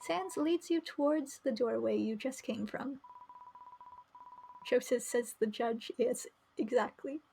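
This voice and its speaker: A woman with a high voice and a creaky edge streams a game, reading the story text aloud. She drops in chatty comments as she goes. There is some light noise in the recording. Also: takes it slowly, long pauses, mellow. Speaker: streamer playing a visual novel.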